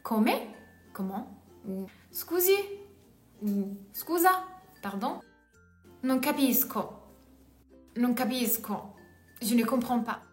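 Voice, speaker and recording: A woman's voice: a little high, animated, slow, pauses often, darkish tone. A woman with an Italian accent teaching a beginner lesson in French, saying each Italian word twice and then giving its meaning. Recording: echoey room with faint music.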